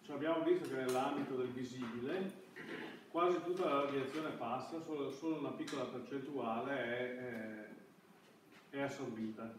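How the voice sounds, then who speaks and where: Echoey, halting male lecturer, distant mic. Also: medium pitch. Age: middle-aged. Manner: halting, searching for words with repeated false starts. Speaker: university lecturer. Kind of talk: classroom lecture with slides. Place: indoor classroom. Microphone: far camera microphone. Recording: echoey classroom, distant mic, background hiss.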